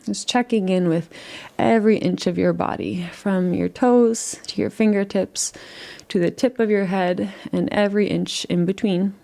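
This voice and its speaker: A woman leading a guided relaxation in a soft, unhurried, soothing way, gently inviting rather than instructing, with long pauses between phrases. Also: medium pitch, fairly even intonation, vocal fry. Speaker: meditation guide.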